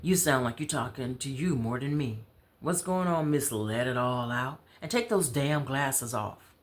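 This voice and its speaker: A woman's voice: rumbling low, measured pace. An American woman voicing an outspoken, caring woman friend in a story, with blunt, slangy, emphatic delivery. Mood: teasing.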